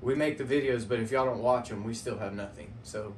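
A man's voice: medium pitch, fairly quick, far from the mic, a little hiss or hum. A man hosting a casual vlog, folksy and heartfelt, laughing often as he talks. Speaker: channel host.

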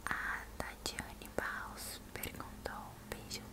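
Whispering slowly into a large mic held right at her lips, this ASMR creator answers her viewers' questions in a relaxed, intimate way. She's a young adult with a Brazilian accent from São Paulo state, recording in a small bedroom.

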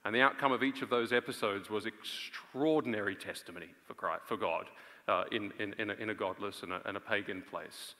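A man in his thirties preaching an earnest, emphatic live sermon with dramatic pauses on a large auditorium stage. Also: fairly low pitch, bright, forceful tone. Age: 30s. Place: on stage in a large theatre before an audience. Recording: reverberant large auditorium sound.

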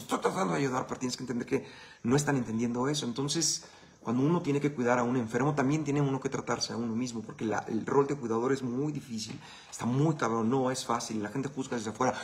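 A man's voice: mid-range voice, fairly even intonation, fast talker. A man with a Mexican Spanish accent hosting a casual live Q&A. He answers viewer questions in a blunt, profane, conversational way.

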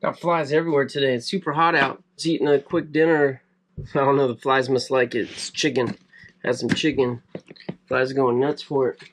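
A man's voice: mid-range voice, flat delivery, normal speed. A man in his thirties chatting casually to camera while sorting clothes from a storage locker in a cluttered room. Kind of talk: casual unboxing commentary to camera.

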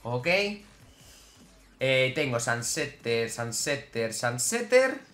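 Spanish man from Spain, gaming YouTuber, bright voice, big swings in pitch, excitable commentary, faint music underneath. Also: takes it slowly. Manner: excitable, swings from grumbling to yelling. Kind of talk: gameplay commentary to viewers.

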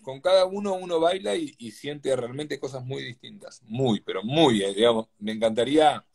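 A man's voice: mid-range voice, normal speed, vocal fry, a little mellow. A man joins a live video call from his phone and talks with enthusiasm about something he loves. He is eating as he speaks, so his words come out a bit muffled. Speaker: guest. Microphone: phone camera on a video call.

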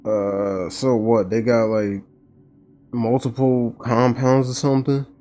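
A man's voice: medium pitch, little pitch movement, slow pace, mellow. A man who is a gamer, giving casual, profane and blunt gameplay commentary full of slang.

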